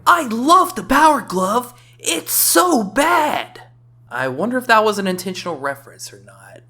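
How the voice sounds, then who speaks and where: Animated, sarcastic woman reviewing games. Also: on the high side, a little slow. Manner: sarcastic, exclamatory. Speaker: video game reviewer. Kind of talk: casual reaction commentary. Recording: voice-over with faint game music.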